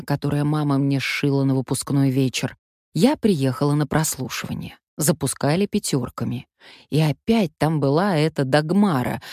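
An older woman from Siberia, a stage actress, telling stories from her own life in a wry, lively anecdotal way. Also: sits low, no room sound, studio quality. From Omsk, Siberia, Russia. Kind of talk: memoir storytelling.

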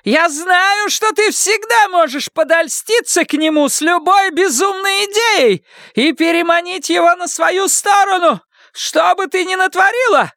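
A man's voice: very high-pitched, measured pace, vocal fry, no room sound, studio quality, voice pushed up, full character voice. A man doing a shrieking furious mother. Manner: screeching, sarcastic, yelling. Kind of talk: audiobook character reading.

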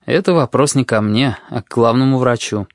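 A man voicing a tired older male caretaker who talks calmly and quietly firmly. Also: mid-range voice, moderate pace, dry recording, studio quality, lightly acted. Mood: weary. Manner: calm, weary, quietly firm.

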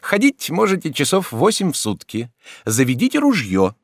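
A man reading an audiobook voices a confident fashionable doctor giving brisk advice. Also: fairly high pitch, wildly swooping pitch, no echo, studio quality, pitched above the performer's own voice, heavily acted. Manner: brisk, prescriptive, upbeat.

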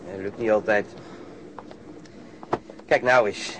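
A man's voice: on the low side, steady tone, slow pace, background noise. An actor in a Dutch radio drama playing a lazy, griping patrol policeman.

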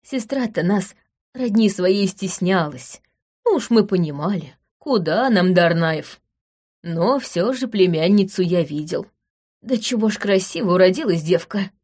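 A woman reading an audiobook voices a plain-spoken older male jeweler in an unhurried, homely way. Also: fairly low pitch, animated, darkish tone.

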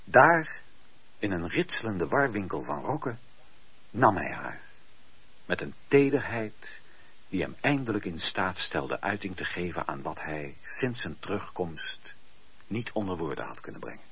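A man's voice: low-pitched, sing-song, measured pace, a bit bright, husky. A man narrating a radio drama in a dramatic, literary storytelling style. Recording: dry, dull lo-fi radio recording.

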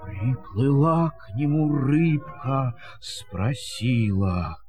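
A man narrating a verse fairy tale in a theatrical, measured storytelling manner. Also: mid-range voice, expressive, dark tone, husky, faint music behind.

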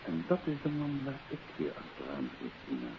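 An actor playing a self-assured detective and devoted husband in a 1950s Dutch radio drama, speaking deliberately and with authority. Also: male voice, a bass voice, wildly swooping pitch, creaky, exaggerated voice. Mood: grave, confiding. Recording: hissy, muffled old radio recording.

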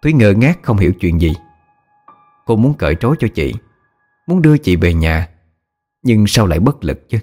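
Deep-voiced man narrating a horror story. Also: normal speed, long pauses, soft background music. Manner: dramatic, expressive.

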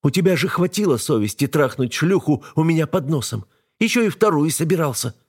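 A man voicing a defiant, frightened young wife in an audiobook, raising his voice high and pleading. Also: lively intonation, a little fast, slightly rough. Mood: furious. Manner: pleading, shouting, breaking into sobs. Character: young woman, defiant, scared and furious wife. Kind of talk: audiobook narration.

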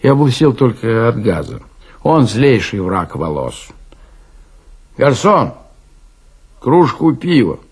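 A man's voice: medium pitch, sing-song, takes it slowly, pauses often, darkish tone, slightly rough, voice pushed up, heavily acted. A man voicing a gloomy, prematurely aged café drinker in a literary radio play, telling his story in a melancholy, confessional way. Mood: gloomy, insistent.

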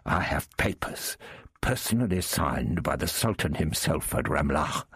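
A man's voice: very deep voice, expressive, unhurried, fairly bright tone, husky, no room sound, heavily acted. A man voicing a captive nobleman who answers in a dry, sarcastic way.

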